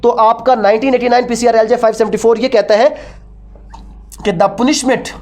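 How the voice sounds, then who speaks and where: High-pitched Pakistani woman lecturing. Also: steady tone, moderate pace, darkish tone. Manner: didactic, repeats points and questions, switches between Urdu and English. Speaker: law lecturer. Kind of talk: classroom lecture with rhetorical questions.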